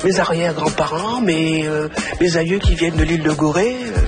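A man's voice: fairly high pitch, fairly quick, over music. A man answering questions in a street interview, speaking cheerfully with a sing-song lilt. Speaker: audience member in a street interview. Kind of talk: vox pop interview.

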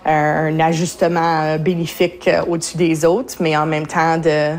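A woman speaking as a parent in a radio interview, often pausing on fillers and restarting her sentences. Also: deep voice, level tone. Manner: hesitant, many fillers and restarts.

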